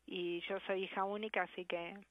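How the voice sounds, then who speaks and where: A woman with an Argentine Spanish accent speaks in a measured, reflective way with careful diction. Her voice sits at an ordinary pitch for a woman. She comes through a somewhat muffled, dry phone line. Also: level tone, no echo. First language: Argentine Sign Language. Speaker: sign language interpreter guest. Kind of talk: radio interview over the phone. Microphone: telephone.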